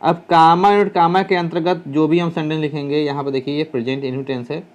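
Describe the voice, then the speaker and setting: A man teaching English translation to students, slowly dictating English phrases and spelling words out letter by letter, sometimes correcting himself as he thinks aloud. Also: on the high side, level tone. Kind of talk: translation lesson explaining Hindi sentences.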